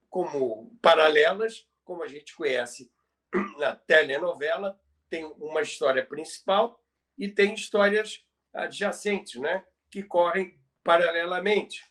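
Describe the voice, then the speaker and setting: An older man with a Brazilian accent telling a story conversationally, halting and repeating phrases for emphasis. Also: on the high side, a bit bright. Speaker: podcast host and storyteller. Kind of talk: conversational retelling of radio history.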